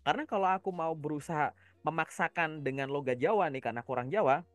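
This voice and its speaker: Guy from java coaching casually, kinda high voice, dry close sound, asks if you get it. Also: fast, fairly bright tone, no echo, faint music behind. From Java, Indonesia. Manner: explanatory, asks listeners rhetorical check-in questions. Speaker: career coach.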